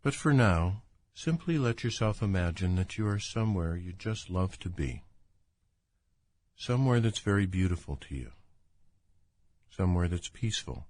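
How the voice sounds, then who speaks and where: A man leading a guided imagery relaxation as a doctor, speaking in a calm, soothing, unhurried manner. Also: deep voice. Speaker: doctor guiding a relaxation exercise.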